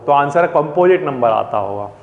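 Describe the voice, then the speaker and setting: A man's voice: fairly high pitch, animated, moderate pace. Man teaching maths in an echoey room. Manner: asks pupils questions and answers them himself; mixes in English words. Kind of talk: classroom maths lesson. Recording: dull echoey classroom recording.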